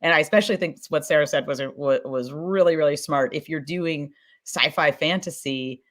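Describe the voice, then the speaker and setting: A woman's voice: low-pitched, moderate pace. A woman speaking informally and emphatically as a fiction podcast creator in a casual panel discussion, with an enthusiastic manner.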